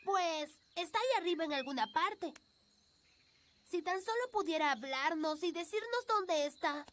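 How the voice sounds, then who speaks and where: A woman's voice: extremely high pitch, animated, measured pace, fairly bright tone, slight background noise, heavily acted. A woman voicing an eager, helpful and plucky little elf boy in a children's cartoon dub. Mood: excited. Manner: earnest, boyish, plucky. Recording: prominent music behind the voice.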